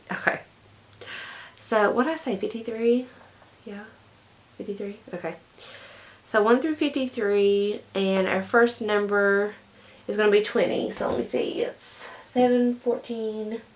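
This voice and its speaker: The speaker is quiet, moving at a fairly slow pace with long, frequent pauses and ordinary pitch variation. Noticeable background noise runs underneath. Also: woman, fairly high pitch for a woman. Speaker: beauty vlogger. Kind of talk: casual tutorial chat. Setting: at home.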